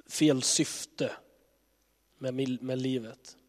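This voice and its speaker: A man's voice: mid-range voice, fairly even intonation. A man preaching in an earnest, conversational way, his voice affected by a cold. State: has a cold. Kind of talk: sermon. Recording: long hall reverb.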